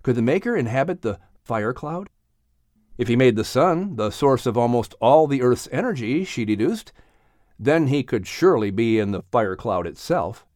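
A man narrating a children's animal story as an audiobook reader, in an expressive scripted storytelling style. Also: mid-range voice, moderate pace, no echo, clean studio sound.

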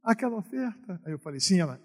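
Man, Brazilian accent, pastor, sermon, higher-pitched voice, reverberant church hall, quiet asides and loud exhortation. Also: very animated, fast. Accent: Brazilian Portuguese. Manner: storytelling preacher who swings from quiet asides to loud exhortation.

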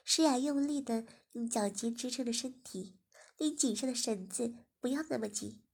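A woman narrating a first-person story in a low-key, even reading voice. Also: moderate pace, gravelly, breathy edge. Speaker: story reader.

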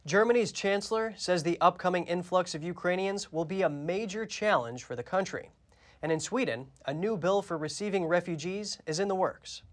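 Higher-voiced male news anchor. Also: moderate pace. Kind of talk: scripted news introductions.

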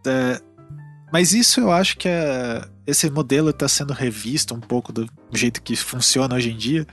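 A man's voice: medium pitch, moderate pace, a bit bright, faint music behind. A man in casual conversation, easygoing and hesitant as he puts his thoughts together. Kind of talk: casual podcast chat.

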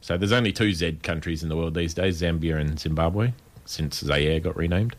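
A man on a studio microphone, his voice sitting fairly low. He explains things at length in a chatty way, with a dry, deadpan wit. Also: moderate pace. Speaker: radio co-host. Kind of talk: casual radio football chat. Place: radio studio.

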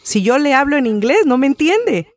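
A woman's voice: sits high, sing-song, normal speed, dry recording. Chatty woman guest, close and dry sound. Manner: chatty and friendly, bilingual, with many fillers. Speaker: podcast guest. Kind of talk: conversational podcast interview.

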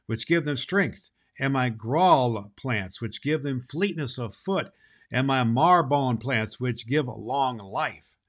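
A man reading the part of a proud, stern male immortal prince, slow and stately. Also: medium pitch, animated, fairly bright tone, pitched above the performer's own voice.

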